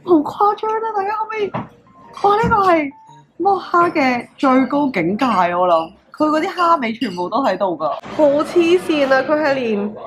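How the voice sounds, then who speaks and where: A woman's voice: high-pitched, moderate pace. Chatty Hong Kong Cantonese woman vlogging. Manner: chatty and excitable, exclaiming over food. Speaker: travel vlogger. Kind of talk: casual vlog narration. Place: restaurant table, indoors. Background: background music.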